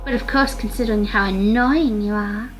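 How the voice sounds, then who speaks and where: A woman's voice: medium pitch, normal speed, a bit bright, faint music behind, lightly acted, poor audio. A woman voicing a young supernatural girl in black for a visual novel, honeyed and coy with a smug, malicious side. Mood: smug, taunting.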